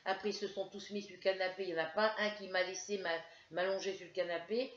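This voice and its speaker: Talking fast in a mid-range voice with fairly even intonation, this French crafts vlogger rambles through a casual story for her viewers. She hesitates often, ill with a headache, and the home recording is roomy, dull and lo-fi.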